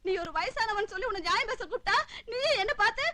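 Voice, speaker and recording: An actress playing a sharp-tongued young housemaid in a film comedy, firing off scolding retorts. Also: female voice, very high voice, quick pace, a little hiss or hum. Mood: angry. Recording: film soundtrack with music.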